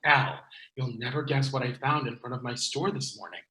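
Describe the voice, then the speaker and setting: A man playing a disheveled, introverted gay man in his thirties at a comedy table read, earnest and excitable. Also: medium pitch, moderate pace, close to an everyday voice, low-quality recording. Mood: eager, insistent.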